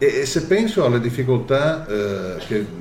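A man's very slow speech with ordinary pitch variation, over noticeable background noise. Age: 60s. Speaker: novelist. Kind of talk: live panel discussion. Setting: stage with audience.

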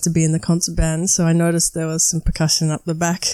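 A woman speaks with an Australian accent. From Australia, Melbourne. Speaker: musician. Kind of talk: interview.

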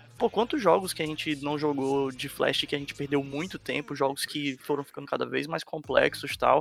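A man talks at a fairly high pitch with ordinary pitch variation and hardly any pauses. It is an ordinary speaking voice. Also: fairly quick pace. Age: 20s. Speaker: games podcast host. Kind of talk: casual chat.

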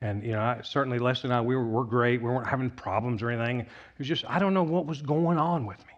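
With audible room echo, the speech races at a very fast pace, showing ordinary pitch variation and big swings in loudness. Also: man, medium pitch for a man. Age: 50s. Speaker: pastor. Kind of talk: sermon. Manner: animated.

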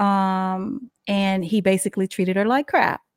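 Recorded very cleanly against a silent background, a woman talks at a fairly slow pace and medium pitch, with a dry, close sound and no echo. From Dallas-Fort Worth, Texas. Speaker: podcast host. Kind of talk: casual solo talk show monologue. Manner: animated, conversational.

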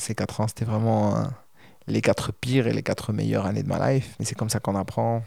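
Here a man speaks at a fairly quick pace in a monotone, flat intonation. His medium-pitched voice has a dark, mellow tone in a very clean recording with a silent background. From Morocco. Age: 30s. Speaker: podcast host. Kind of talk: personal storytelling monologue. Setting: home studio. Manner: halting.

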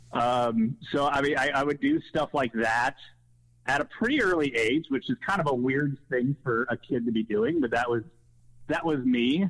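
A man with an American accent uses an ordinary speaking voice at a fairly high pitch, with ordinary pitch variation and very even loudness. He keeps a moderate pace, and the sound is dry and close with no echo. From US Midwest. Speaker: sports broadcaster. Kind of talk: casual interview chat.

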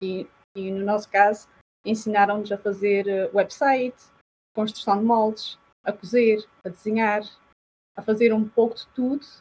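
A fairly high-pitched woman's voice is somewhat breathy, with monotone, flat intonation. She speaks at a moderate pace. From Azores, Terceira island. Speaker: fashion designer and dressmaker. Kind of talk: casual chat.

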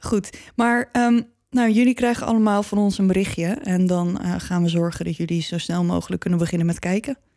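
A woman with a dark, mellow tone speaks at medium pitch and a fairly quick pace, with hardly any pauses. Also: ordinary pitch variation. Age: 30s. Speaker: podcast host. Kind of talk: casual chat; scripted narration.

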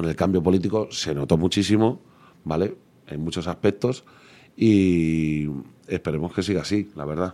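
On a very clean recording with a silent background, a man with a very deep, low pitch and a dark, mellow tone speaks with long, frequent pauses. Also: ordinary pitch variation, moderate pace. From Spain, Leganés (Madrid). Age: 30s. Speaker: music promoter. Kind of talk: casual interview.

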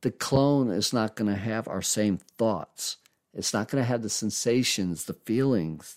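A man with a plain, everyday voice talks at a fairly slow pace and fairly low pitch with ordinary pitch variation, in a very clean recording with a silent background. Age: 50s. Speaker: life coach and podcast host. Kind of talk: solo monologue.

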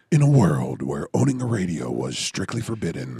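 A raspy, put-on character voice from a man, very deep and low, with very wide pitch swings and a moderate pace. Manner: dramatic trailer delivery.

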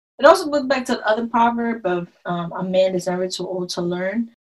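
A woman talks at a fairly quick pace with a Chinese accent. Her intonation is lively. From New York City. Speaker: podcast host. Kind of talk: casual storytime monologue.

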